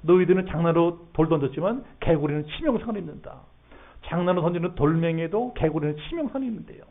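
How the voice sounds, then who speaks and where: A man's voice: a little high, expressive, fast talker. A middle-aged man preaching a sermon as a pastor in a church, talking in a conversational way and putting questions to the congregation. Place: church sanctuary. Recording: phone-like narrow band.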